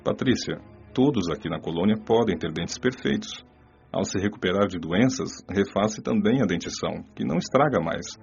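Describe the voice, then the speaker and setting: A man playing a patient, wise male spirit mentor who explains things in a calm, preaching tone. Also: fairly low pitch, normal speed, vocal fry, highs cut off, soft background music. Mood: explaining. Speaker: teacher figure. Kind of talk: radio drama acting.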